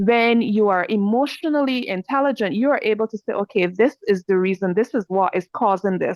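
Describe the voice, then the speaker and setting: Her voice sits at a medium pitch and rises and falls in an ordinary way. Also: dry, close sound with no echo. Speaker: panelist on family emotional support. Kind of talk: panel discussion.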